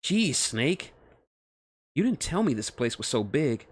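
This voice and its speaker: A man's voice: mid-range voice, sing-song, takes it slowly, breathy edge, dry recording, studio quality, voice pushed up, heavily acted. A man voicing a polite, nerdy and eager male scientist in a fan fiction reading. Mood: teasing.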